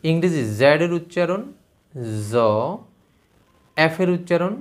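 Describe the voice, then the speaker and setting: A man with a slightly high voice talks through a language lesson. He explains patiently, repeats each sound and sets pairs side by side so the difference comes through. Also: steady tone, a little slow. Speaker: language teacher. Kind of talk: spoken lesson on Bengali spelling and pronunciation.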